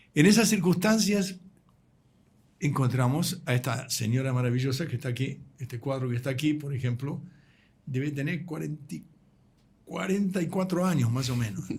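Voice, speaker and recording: A somewhat breathy man's voice, fairly high in pitch, with long, frequent pauses. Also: lively intonation, moderate pace. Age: 70s. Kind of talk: testimony. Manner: halting.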